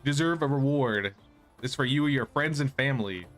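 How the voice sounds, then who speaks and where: A man's voice: medium pitch, moderate pace, fairly bright tone, soft background music, lightly acted. A man voicing a cryptic, mystical video game quest-giver in a solemn, instructive way. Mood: approving, cautionary. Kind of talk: reading game character dialogue aloud.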